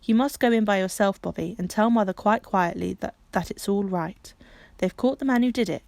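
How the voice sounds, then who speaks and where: A gentle, loving father, voiced by a woman reading aloud, speaking in a soft, reassuring way. The recording is dry and close. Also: mid-range voice, brisk, vocal fry, no echo, natural voice. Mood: tender. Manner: tender, reassuring.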